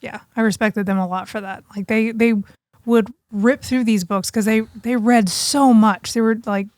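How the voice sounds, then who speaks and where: A woman's voice: on the high side, steady tone, normal speed, a little mellow, no room sound, clean studio sound. A woman co-hosting a podcast, chatting casually in an agreeable, easygoing, playful way. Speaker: podcast co-host.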